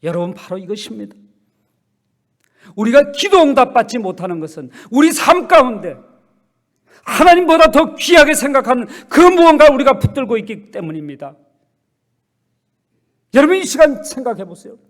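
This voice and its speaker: A male pastor giving a sermon, telling a story softly and then rising into loud, emphatic appeals. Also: very high-pitched, very animated, normal speed, long pauses.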